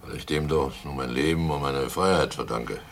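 An actor in a German radio play, playing a guilty, domineering and slyly jovial village innkeeper with a gravelly voice. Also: male voice, extremely low pitch, normal speed, a little hiss or hum. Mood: falsely jovial.

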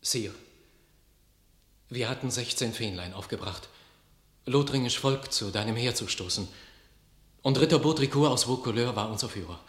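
An actor playing an awestruck knight in a classical verse radio drama, declaiming his report gravely and dramatically. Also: mid-range voice, echoey room, natural voice. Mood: earnest.

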